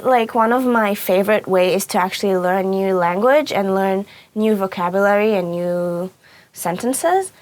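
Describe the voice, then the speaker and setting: A woman's voice: medium pitch, no room sound. A young woman with an Israeli accent, Hebrew her first language, teaching a casual language lesson in a chatty way, often saying "like" and "you know".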